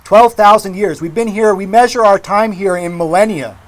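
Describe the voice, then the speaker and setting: A man in his forties from Massachusetts gives an impassioned public speech at a rally, speaking emphatically with deliberate repetition. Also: high voice. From Mashpee, Massachusetts, United States. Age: 40s. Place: outdoor rally.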